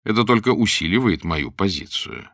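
A man voicing a calm, dryly ironic pirate captain in a storybook reading. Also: low-pitched, moderate pace, dry recording, studio quality, heavily acted.

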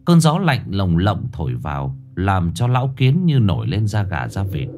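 Male ghost-story narrator, highly expressive pitch, faint background hiss. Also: moderate pace. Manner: dramatic, suspenseful reading.

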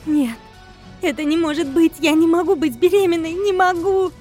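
A woman voicing a furious young woman, a half-werewolf, who shouts accusations and is close to tears. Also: extremely high pitch, steady tone, moderate pace, soft background music, pitched above the performer's own voice. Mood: panicked. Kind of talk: audiobook character voice.

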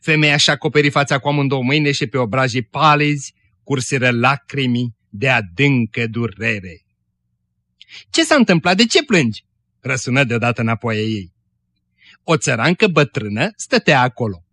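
A man hosting a Christian radio program, reading a story aloud in a solemn, measured way. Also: medium pitch, bright, forceful tone. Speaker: radio program host and reader.

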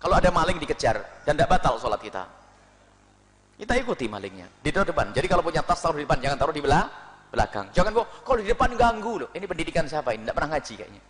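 A fast-talking male preacher with a high, lively voice that leaps around as he plays out little scenes. He lectures in a reverberant hall. A large audience can be heard around him. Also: a loud crowd. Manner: animated, acts out little scenes, laughs. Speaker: preacher answering questions. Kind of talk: religious lecture.

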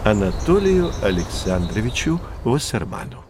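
An actor playing a patient professor who calmly explains things to children in a scripted educational audio drama. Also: male voice, medium pitch, normal speed, noisy background, close to an everyday voice. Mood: explaining. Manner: calm, explanatory. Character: patient, knowledgeable male professor. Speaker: explaining guide in an audio encyclopedia.

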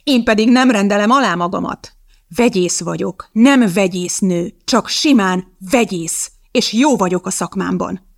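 A woman's voice: mid-range voice, vocal fry, lightly acted. Woman reading as a furious female chemist. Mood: angry. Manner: angry, shouting. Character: fierce female chemist, proud and blunt.

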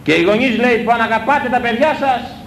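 A man preaching a sermon, scolding his listeners with rhetorical questions and hammering his points home through repetition. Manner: emphatic, repetitive exhortation. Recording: echoey room with low rumble.

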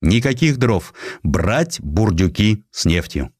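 A man's voice: lowish voice, sing-song, slow, darkish tone, slightly rough, no echo, clean studio sound, exaggerated voice. A man voicing a decisive, demanding army commander, giving orders in emphatic phrases in a dramatised historical story. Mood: firm orders.

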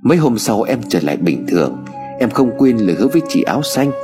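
Guy reading a story, lively up and down, reverb and music under. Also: medium pitch, fast. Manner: expressive storytelling. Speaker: story narrator. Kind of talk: scripted narration. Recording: hall reverb with music bed.

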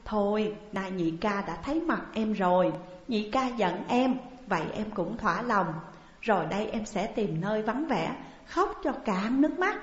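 A woman's voice: on the high side, expressive, a little slow. A woman voicing a young man who pleads tearfully with his elder sworn brother, in a storybook reading. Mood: pleading, tearful. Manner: pleading, plaintive. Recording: dull echoey hall recording.

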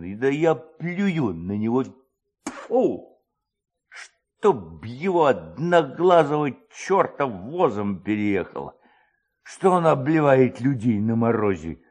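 A man's voice: mid-range voice, sing-song, slow pace, darkish tone. A man voicing a coarse, stubborn drunken peasant who mutters and repeats himself, in a storybook reading. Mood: defiant, drunken grumbling.

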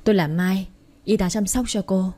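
A woman voicing a kind hospital nurse who gently asks after her patient. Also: medium pitch, steady tone, normal speed, lightly acted. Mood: gentle. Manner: gentle and solicitous.

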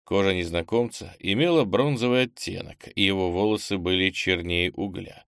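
Low gravelly male audiobook narrator. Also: normal speed, fairly bright tone, no room sound, clean studio sound.

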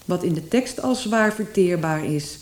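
A woman's voice: lowish voice, expressive, a little slow, a little mellow. A woman playing a stern, scathing critic, formally reciting a review in a radio drama. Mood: disapproving. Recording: echoey, reverberant room.

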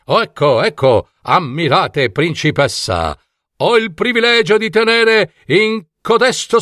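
A man voicing a sly, flattering jeweller in a fairy tale, with obsequious hesitations and interjections. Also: high voice, no room sound, clean studio sound, voice pushed up, full character voice. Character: sly, fawning male jeweller, a king in disguise. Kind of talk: fairy-tale storybook voice acting.

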